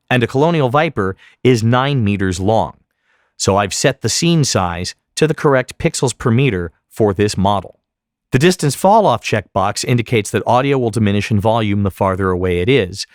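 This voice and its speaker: A man giving scripted software tutorial narration as an instructor, speaking in a precise, explanatory way. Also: on the low side, no room sound, clean studio sound.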